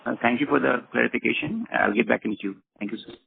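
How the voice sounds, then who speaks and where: A man with an Indian accent asks polite, formal questions as an analyst caller. His voice is very creaky and he talks quickly. The phone line is tinny and noisy. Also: medium pitch. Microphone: phone call.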